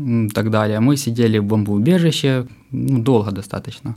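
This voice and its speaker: This man has a dark, mellow tone and a medium pitch, speaking at a moderate pace with ordinary pitch variation. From eastern Ukraine, Luhansk region. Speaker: neurologist. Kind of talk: interview. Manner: halting.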